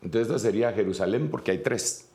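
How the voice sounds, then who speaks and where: A man's voice: lowish voice, quick pace, darkish tone. A man preaching a sermon, reading scripture aloud and then explaining it at a whiteboard with many fillers and asides.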